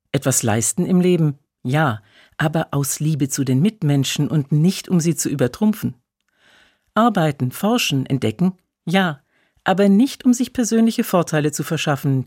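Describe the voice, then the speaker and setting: A preacher giving a scripted radio devotional, measured in delivery, slowing down to stress key phrases and reading scripture solemnly. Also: mid-range voice, expressive, a little mellow, no room sound, clean studio sound.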